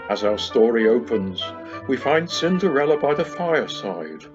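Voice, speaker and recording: A man's voice: mid-range voice, big pitch swings, normal speed, over music. A man narrating a comic storybook pantomime from a script in a wry storytelling manner. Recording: slightly dull home video-call recording.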